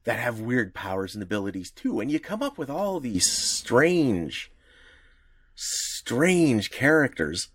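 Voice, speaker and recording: A man's voice: medium pitch, very animated, takes it slowly, breathy edge, no echo. A man co-hosting a podcast in casual chat, rambling with frequent restarts. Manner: rambling, many restarts, laughs easily. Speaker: podcast co-host.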